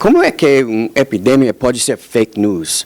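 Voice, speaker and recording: With noticeable background noise behind him, a man with a non-native accent talks at a medium pitch and a fairly slow pace. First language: English (speaking Portuguese). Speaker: law professor. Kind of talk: lecture. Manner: halting.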